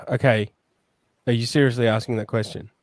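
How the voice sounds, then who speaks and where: A man's voice: mid-range voice, steady tone, moderate pace, dry recording. A man co-hosting a comedy podcast, teasing dryly and restarting his sentences. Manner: dry teasing, hesitant restarts. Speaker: podcast co-host. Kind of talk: casual comedy chat.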